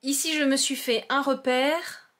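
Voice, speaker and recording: A woman with a slightly high voice hosts a home crafting tutorial. She explains each step plainly and instructively, in a friendly tone, as if working at her own craft table. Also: fairly even intonation, measured pace, a bit bright.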